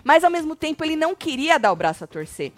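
A woman hosting a talk show, recapping reality-show gossip in an animated way and mimicking the people she quotes. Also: high-pitched, fast talker, no echo. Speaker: host.

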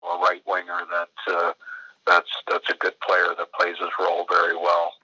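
Male executive, halting delivery, deep monotone, raspy and sharp. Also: poor audio. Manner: halting, many fillers.

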